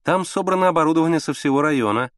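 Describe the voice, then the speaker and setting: A man's voice: fairly high pitch, rapid-fire, a bit bright, no echo, studio quality, voice pushed up, lightly acted. A man voicing an eager schoolboy. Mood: earnest. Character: earnest, self-assured schoolboy pioneer.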